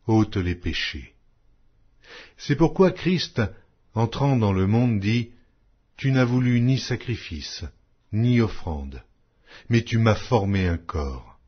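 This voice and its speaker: Husky low-voiced man reading scripture. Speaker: audiobook narrator of scripture. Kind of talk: solemn scripted Bible reading. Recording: dull lo-fi audio.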